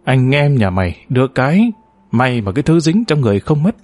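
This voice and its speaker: A man voicing the sharp-tongued, scolding middle-aged wife of a boss in an audiobook. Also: mid-range voice, very animated, brisk, no echo, close to an everyday voice.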